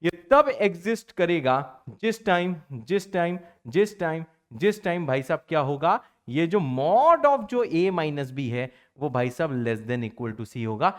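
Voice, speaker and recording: Man, exam-prep math teacher; high-ish, very animated delivery; plays both sides of a classroom dialogue himself. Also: takes it slowly, hardly any pauses. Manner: plays both teacher and student in his own voice; chatty, fond of catchphrases like "bachcha party".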